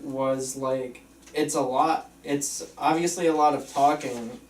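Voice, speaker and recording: A man's voice: medium pitch, steady tone, takes it slowly, darkish tone. A man giving casual script feedback, hedging his suggestions tentatively as he goes. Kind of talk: casual chat. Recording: roomy, distant, faint background noise.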